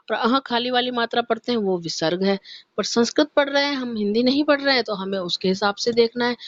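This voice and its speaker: A woman's voice: fairly high pitch, fairly bright tone, no room sound. A woman teaching a Sanskrit class to young pupils online. She talks patiently and spells out each syllable. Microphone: online class recording. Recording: dull, dry lo-fi sound.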